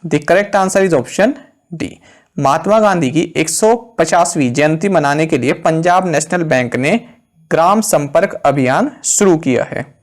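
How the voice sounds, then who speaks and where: An Indian man hosting a current-affairs quiz lesson who reads each question slowly, then explains the answer in quicker asides. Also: a little high. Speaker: exam-prep quiz host.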